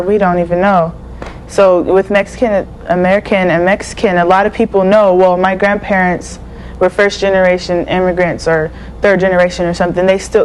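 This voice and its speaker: A woman talks in a group discussion. Her voice is on the low side and very even in pitch, with slight noise around it. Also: poor audio. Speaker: discussion participant. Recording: faint ambient room noise.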